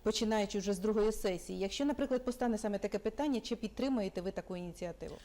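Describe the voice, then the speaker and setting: Woman TV host; measured, formal interviewer with a mellow tone. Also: medium pitch. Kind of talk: televised political interview, host.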